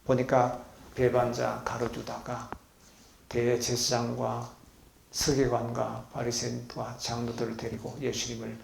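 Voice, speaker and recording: A man preaching a sermon as a pastor to a congregation at a healing retreat center. He asks the congregation questions and swings between loud and soft. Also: medium pitch, monotone, a little slow, creaky, slight background noise. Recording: echoey hall.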